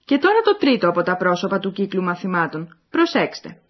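A woman's voice: medium pitch, big pitch swings. A woman reading the scripted narration of a language course, explaining and addressing the listeners. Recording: dull lo-fi recording.

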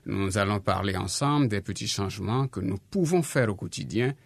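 A man presenting and narrating a radio program from a studio, measured and explanatory. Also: on the low side, lively intonation, creaky, no echo. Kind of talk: scripted narration.

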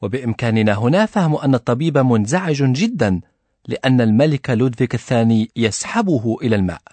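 Lively male radio host asking questions. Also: mid-range voice, fast talker, dry recording. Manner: asks the teacher questions for the listeners. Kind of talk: hosting a language lesson on radio.

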